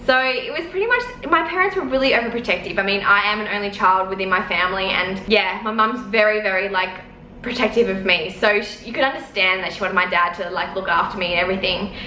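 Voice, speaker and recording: Bright-voiced chatty young woman, echoey room. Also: medium pitch, fast. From Australia. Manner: rambling and chatty, with many fillers and apologies. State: sore eyes from smoke. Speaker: vlogger. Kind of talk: casual storytelling to camera. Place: lounge room at home. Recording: echoey room, faint background noise.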